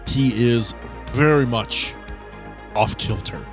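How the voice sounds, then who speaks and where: Male game master, mid-pitched voice, descriptive tabletop narration over a music bed. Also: slow.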